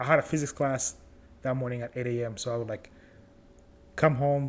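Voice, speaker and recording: A man's medium-pitched voice stays flat and monotone throughout. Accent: non-native. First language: not English. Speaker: podcast host. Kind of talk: casual chat.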